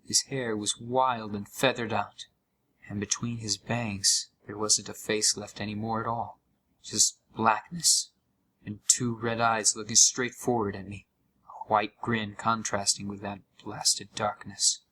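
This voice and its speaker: Creepypasta audio drama narrator, male actor: haunted gamer, lowish tense voice, dramatic pauses, slightly noisy recording. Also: level tone, pushed and bright. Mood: uneasy dread. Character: haunted male gamer recounting a horror story.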